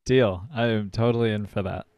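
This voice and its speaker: A man's voice: fairly low pitch, steady tone, moderate pace, dry recording. Man host, dry close sound. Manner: brief, warm affirmations and gentle questions. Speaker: podcast host. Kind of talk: interview conversation.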